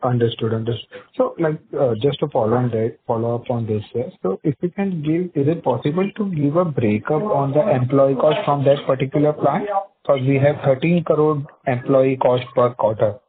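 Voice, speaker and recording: A man's voice: mid-range voice, moderate pace. A man with an Indian accent asking questions deferentially as a caller on a conference call. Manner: deferential, repeatedly saying sir. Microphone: phone call. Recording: muffled tinny phone line.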